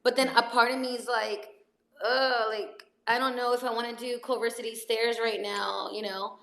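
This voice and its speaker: A woman's voice: a little high, flat delivery, normal speed, creaky, a bit bright. A woman from El Salvador talks in a loose, casual chat and rambles along with plenty of fillers and restarts. Her voice carries a roomy echo from the space around her. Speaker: actress.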